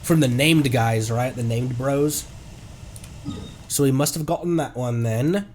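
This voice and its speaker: A man's voice: mid-range voice, a little slow, darkish tone, slight background noise. A man doing casual live game commentary, rambling and muttering playfully to himself as he streams. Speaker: streamer, VTuber host. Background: game music.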